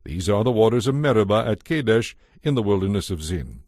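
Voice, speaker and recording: A man giving a measured, formal narration of scripture from a script. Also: fairly low pitch, lively intonation, darkish tone, no echo, studio quality. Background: music.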